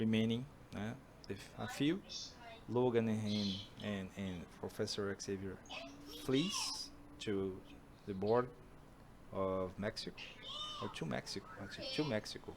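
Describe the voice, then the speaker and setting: A man with a Brazilian Portuguese accent speaks at a fairly slow pace, with fairly low pitch and ordinary pitch variation. He leaves long, frequent pauses, and there is noticeable background noise. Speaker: pop culture commentator. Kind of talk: video commentary. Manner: halting.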